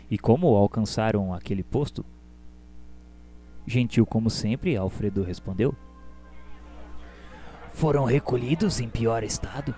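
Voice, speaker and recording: A man's voice: fairly low pitch, dark tone. A man giving scripted, formal and solemn narration for a radio drama. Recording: music behind the voice.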